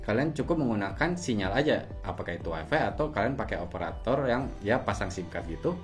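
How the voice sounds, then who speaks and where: A man's voice: fairly low pitch, very animated, fast, soft background music. A man hosting a product review, explaining things in an informal, conversational way. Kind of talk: casual scripted-feel gadget review to camera.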